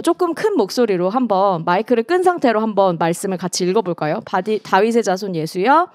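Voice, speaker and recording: A woman evangelist preaching to a youth group in a lively storytelling style, asking questions and calling the teens by name. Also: a little high, no room sound, clean studio sound. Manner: lively storytelling, acts out scripture quotes; asks the teens questions and calls them by name. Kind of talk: youth sermon over video call.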